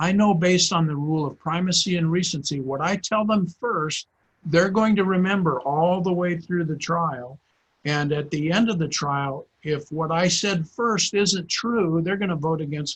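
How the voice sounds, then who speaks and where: Ordinary pitch variation in a man's voice pitched high. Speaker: trial lawyer and public speaking coach. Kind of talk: lecture. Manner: slow.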